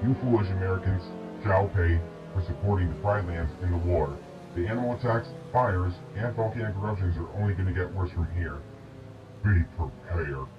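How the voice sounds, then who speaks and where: Guy doing evil lion spirit villain, low menacing voice, dull far-off audio w music behind. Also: moderate pace, natural voice. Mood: menacing gloating. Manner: menacing, grandiose threats. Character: vengeful villain lion spirit, menacing army leader, threatening. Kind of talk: scripted villain speech in fan audio drama. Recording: muffled, distant, with loud music.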